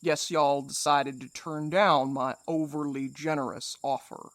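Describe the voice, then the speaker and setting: An actor as a slow, menacing cowboy spectre. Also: mid-range voice, steady tone, dry recording, natural voice. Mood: cold, offended. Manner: slow, folksy Western phrasing. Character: menacing old-timer spectre with cowboy drawl, aggrieved. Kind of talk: audio drama acting.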